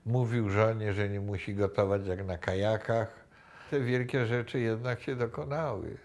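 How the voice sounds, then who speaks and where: An older man being interviewed, recalling the past slowly with many pauses and restarts, recorded on a lapel mic in a room. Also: lowish voice, fairly even intonation, a little mellow. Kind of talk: reflective recollection. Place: indoor room with wooden cabinets.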